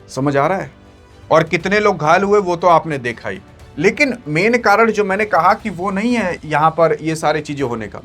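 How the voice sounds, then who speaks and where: A man's voice: on the high side, fairly bright tone. A man hosting an online news video, giving dramatic, emphatic commentary and talking straight to his viewers. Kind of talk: excited news commentary to camera.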